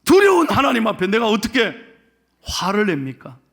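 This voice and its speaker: A man's voice: high-pitched, huge pitch swings, moderate pace, creaky, a bit bright, voice pushed up, full character voice. A male pastor voicing an angry young man who pleads indignantly.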